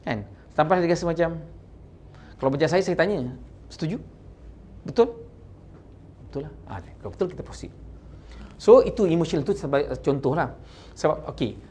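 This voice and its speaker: Coaching insurance agents in a sales training session, this Malaysian-accented man has a husky voice on the high side. He slips English terms into his Malay, stresses words lively, and keeps asking "kan?"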